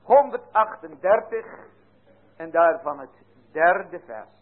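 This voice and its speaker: A man delivers a sermon in a slightly high, husky voice, slow and deliberate. His pleading swells loud, then falls low. The recording sounds thin and phone-like. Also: lively intonation. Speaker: preacher.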